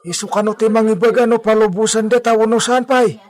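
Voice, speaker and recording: A man's voice: high voice, steady tone, quick pace, darkish tone, natural voice. A man playing an older male farmhand who frets and scolds, sighing and exclaiming as he worries. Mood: worried. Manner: worried, fussing, many sighs and exclamations. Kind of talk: amateur audio drama acting.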